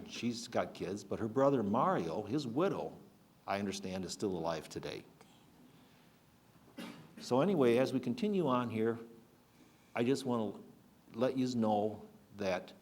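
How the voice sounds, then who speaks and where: An older man speaking earnestly to an audience, his pitch rising and falling with lively emphasis. He stumbles and restarts now and then as he builds toward his point. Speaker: speaker at a public program. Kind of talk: public talk.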